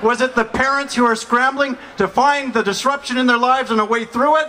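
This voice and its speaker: A man speaks in a raised, projected voice at an extremely high pitch and a moderate pace. His intonation stays monotone and flat over light background noise. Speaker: opposition politician. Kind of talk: fiery outdoor rally speech, mocking the premier with a string of rhetorical questions. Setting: outdoor rally stage with crowd. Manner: rousing crowd-pleaser, building up to a big introduction. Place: street. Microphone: camera far.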